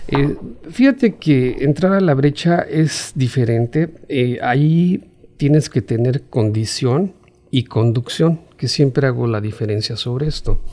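Very slow in pace, a man speaks with a dark, mellow tone, a fairly high pitch and ordinary pitch variation. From Mexico City. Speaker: mountain biker. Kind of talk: casual interview.

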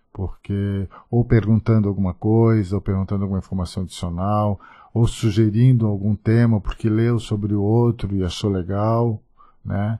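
In a dry, close recording with no echo, a man speaks at a fairly low pitch and moderate pace, his dark, mellow tone held in a monotone, flat intonation. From Santa Catarina, Brazil (Rio do Sul). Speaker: journalist and newspaper columnist. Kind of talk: casual interview. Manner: halting, many repetitions and fillers.

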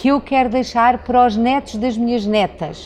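A woman talks at a fairly slow pace in a European Portuguese accent. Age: 50s. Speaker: food bank president. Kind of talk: interview.

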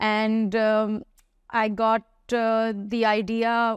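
With a fairly high pitch, a woman is heard in a dry, close sound with no echo in a very clean recording against a silent background. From India. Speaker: venture capital investor. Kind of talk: interview.

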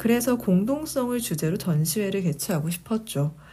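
Delivery is moderate in speed. The voice ranges very widely in pitch. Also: woman. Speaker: podcast host reading and discussing a book. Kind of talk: book review, reading aloud with commentary. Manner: talkative, chatty.

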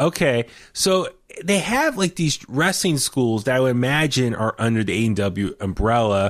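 On a very clean recording with a silent background, a man talks at medium pitch and a moderate pace, his loudness very even. His tone is animated, with very wide pitch swings. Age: 30s. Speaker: wrestling podcast host. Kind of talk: casual chat.

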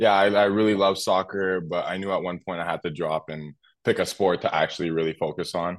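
A man's very deep, low voice at a moderate pace, fairly even in intonation, over a quiet background. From Montreal, Quebec. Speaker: junior hockey player. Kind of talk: interview.

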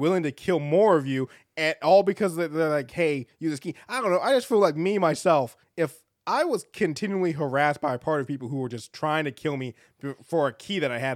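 The recording is very clean, with a silent background. A man with an unremarkable speaking voice talks at a fairly high pitch with lively intonation. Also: dry, close sound with no echo. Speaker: podcast host. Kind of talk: casual chat.

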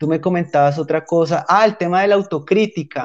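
A man's dark, mellow tone carries ordinary pitch variation. He keeps a moderate pace. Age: 20s. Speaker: libertarian social media commentator. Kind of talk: online panel discussion. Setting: online audio room.

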